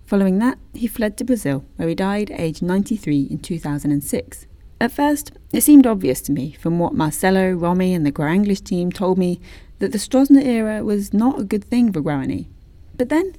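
Warm dry woman narrator. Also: mid-range voice, no room sound. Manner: wry, informal asides. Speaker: host and narrator. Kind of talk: scripted documentary narration.

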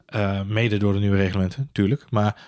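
Fast-talking man chatting about racing. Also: on the low side, steady tone, a little mellow, no echo. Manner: fast, filler-heavy, dry jokes. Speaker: podcast co-host. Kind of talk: casual Formula 1 chat.

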